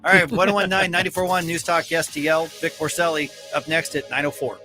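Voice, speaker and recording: A man's voice: fairly high pitch, steady tone, pushed and bright, faint music behind. A man hosting a morning talk radio show, chatting casually with co-hosts and often restarting his sentences with fillers. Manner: halting, many restarts and fillers. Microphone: studio microphone.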